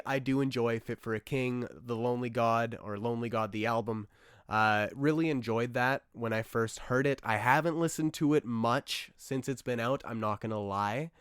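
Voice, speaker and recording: A young man rambling through a solo podcast episode, rushing into excited bursts and trailing off into asides. His voice sits in a middle pitch with a smooth, resonant core, though it has gone a little rough. The sound is dry and close, with no room around it. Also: dry recording. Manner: enthusiastic, rambling, with frequent fillers and asides. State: slightly rough, losing his voice. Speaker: podcast host.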